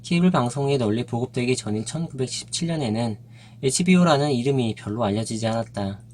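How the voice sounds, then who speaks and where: A man narrating a nonfiction book in an even, measured reading voice. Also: medium pitch, a little hiss or hum. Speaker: audiobook narrator.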